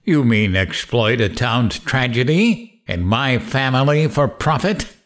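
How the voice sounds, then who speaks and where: A man playing a mad, grieving radio host out for revenge in an audio drama, taunting in a theatrical, deliberate way. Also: medium pitch, lively intonation. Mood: bitter, grieving. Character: mad, vengeful, grieving male late-night radio host. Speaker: radio show host character.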